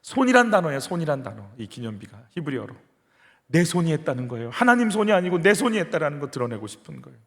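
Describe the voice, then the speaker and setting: A man's voice: a little high, sing-song, fast. A male senior pastor preaching a sermon, earnestly leading his congregation through rhetorical questions. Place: church sanctuary. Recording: reverberant church hall.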